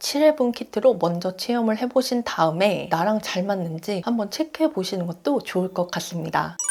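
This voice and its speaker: A woman speaks at a moderate pace as background noise is clearly heard. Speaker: beauty YouTuber. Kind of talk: skincare product review to camera.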